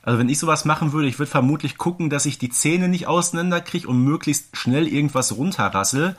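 A man's voice: fairly high pitch, lively intonation, fast talker. A man co-hosting a podcast, chatting casually and giving his opinions on an audio drama series. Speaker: podcast co-host.

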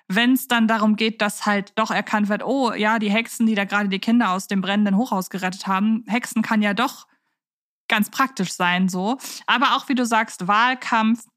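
A woman's voice: mid-range voice, normal speed, fairly bright tone, no room sound, clean studio sound. A woman hosting a podcast in casual chat, speaking effusively with some searching for words. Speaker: podcast host.

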